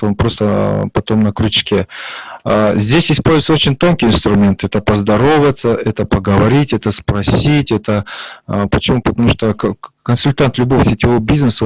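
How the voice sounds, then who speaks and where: Low-voiced man explaining as a psychologist. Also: no room sound, low-quality recording. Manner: measured, explanatory. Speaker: psychologist, guest expert. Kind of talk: interview explanation.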